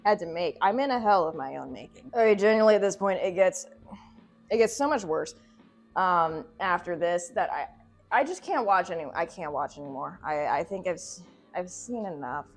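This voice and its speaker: A woman's voice: lowish voice, lively intonation, moderate pace. A woman doing casual, joking video commentary, sarcastic, irreverent and profane, with a theatrical streak. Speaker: video essay host. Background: background music.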